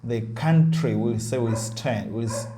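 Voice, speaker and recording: A man from Tanzania, a Catholic priest speaking, talks casually in an interview and often pauses to find his words. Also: mid-range voice, loud music behind the voice.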